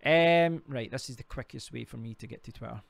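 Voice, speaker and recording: A man's voice: medium pitch, brisk, gravelly, no room sound. A Scottish man hosting a casual live stream, rambling and talking to himself while clicking through sites. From Scotland. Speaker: crypto livestream host.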